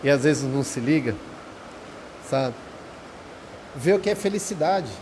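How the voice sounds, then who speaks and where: A man's voice: mid-range voice, expressive, a little slow. A man with a Brazilian Portuguese accent giving an informal spiritual talk at a Spiritist study center, speaking conversationally and often checking in with his listeners. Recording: reverberant hall with faint background noise. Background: rain.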